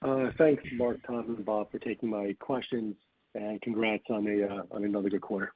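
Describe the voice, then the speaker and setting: A man with a husky voice, a financial analyst asking questions on an earnings call. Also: lowish voice, level tone, normal speed, dry recording. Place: conference call. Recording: thin phone-line audio.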